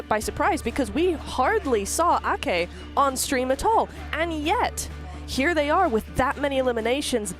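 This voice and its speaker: A woman with English as a second language, casting esports and agreeing often with quick remarks. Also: high voice. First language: not English. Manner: agreeable, backchannels a lot, quick bursts. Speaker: esports caster. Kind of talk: esports analysis commentary.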